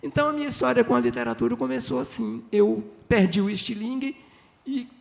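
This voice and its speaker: An older man from Minas Gerais, Brazil, with a very high, creaky voice and a brisk pace, tells stories as a writer on a literary festival panel. Chatty and lively, he leans on tag questions and often acts out what people said.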